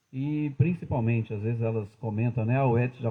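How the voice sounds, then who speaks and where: A man with a medium-pitched voice talks at a moderate speed. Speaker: spiritist talk speaker. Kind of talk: religious talk. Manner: loud.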